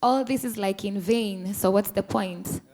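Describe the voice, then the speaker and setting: A woman's voice: mid-range voice, measured pace, darkish tone. A woman speaking as a musician on a panel, earnest and impassioned. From Kenya. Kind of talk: panel discussion remarks.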